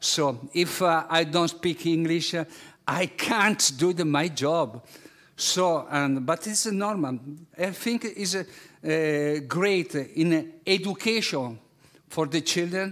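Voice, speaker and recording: At a very slow pace, a man with a high pitch speaks with ordinary pitch variation. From Italy. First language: Italian. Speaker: basketball coach. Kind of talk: webinar Q&A talk. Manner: halting, many fillers and repeats; animated.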